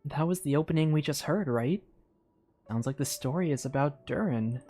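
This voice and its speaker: A streamer giving casual, excitable commentary while playing a story game and reading its choices aloud. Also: mid-range voice, moderate pace, faint music behind. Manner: excitable, chatty, reads game text aloud.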